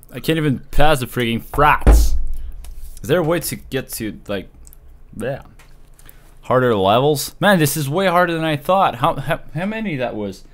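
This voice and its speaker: A man in his twenties giving excited, exclamatory casual commentary as he plays a game. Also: mid-range voice. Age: 20s. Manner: exclamatory, swearing. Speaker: let's play host. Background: electronic game music.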